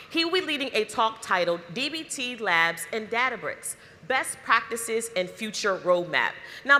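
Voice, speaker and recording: A woman's voice: medium pitch, sharp tone. A woman hosting a live conference as emcee, upbeat and hyping the crowd with questions. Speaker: event emcee. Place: large conference hall. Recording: hall reverb.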